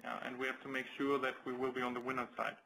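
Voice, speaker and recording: A man's voice: mid-range voice, monotone, quick pace, vocal fry, pushed and bright, slight background noise, low-quality recording. A man with a German accent speaking as a company executive, answering questions on a business conference call in careful, hesitant phrases. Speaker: company executive presenting results.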